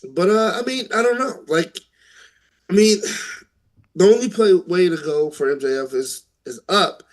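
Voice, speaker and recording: Halting, fairly high-voiced man talking wrestling. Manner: halting, repeats words and laughs often. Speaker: podcast co-host. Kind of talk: casual wrestling chat.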